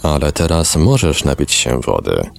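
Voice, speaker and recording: A man reading the part of a hypnotist who asks calm, measured questions. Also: extremely low pitch, gravelly, faint music behind, exaggerated voice. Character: calm male hypnotist asking steady questions. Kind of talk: reading a hypnosis session transcript aloud.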